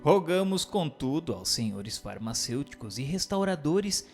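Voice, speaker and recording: A man's voice: a little high, sing-song, moderate pace, faint music behind. A man giving a formal, declamatory scripted reading as a narrator, in a question-and-answer style. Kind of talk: scripted dramatized reading of a spiritist book.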